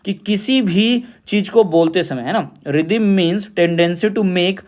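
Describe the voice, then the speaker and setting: A man teaching an exam revision lesson. He explains in Hindi, reads definitions slowly in English, and asks and answers his own questions. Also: high voice, a little mellow.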